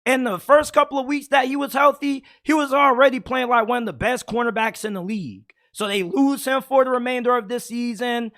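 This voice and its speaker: Raspy hoarse man, high pitch, bright sharp tone, blunt opinionated sports host. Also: steady tone, brisk, hardly any pauses. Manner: blunt, opinionated, gets heated. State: hoarse from yelling. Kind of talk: casual sports talk.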